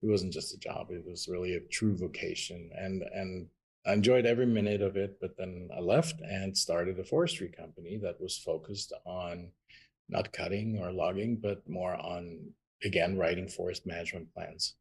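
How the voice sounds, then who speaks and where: A man's voice: deep voice, fairly even intonation, moderate pace, vocal fry, husky. A middle-aged man from Austria, telling his story as a podcast guest in an earnest, rambling way with many ums. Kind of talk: interview conversation.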